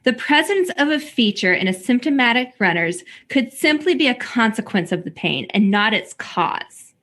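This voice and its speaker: A woman's voice: a little high, fairly bright tone. A woman hosting a podcast interview, asking her guests questions. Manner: asks questions, reads a quote aloud. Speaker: podcast host.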